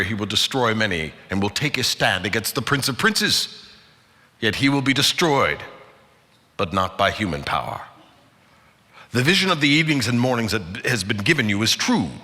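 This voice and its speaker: A man delivers a dramatic scripture reading in a large hall with long reverb. His voice is bright and forceful, swinging widely in pitch. He phrases everything theatrically, leaning hard on key words and pausing deliberately. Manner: emphatic, theatrical, with deliberate pauses. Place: large indoor conference hall.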